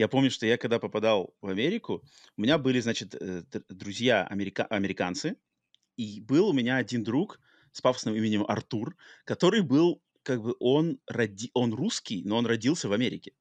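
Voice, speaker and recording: A man of medium pitch at a fairly quick pace, with ordinary pitch variation, long, frequent pauses and a quiet background. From Russia-born, raised in US. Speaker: podcast host. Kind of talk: casual conversational chat. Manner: talkative, informal, fillers.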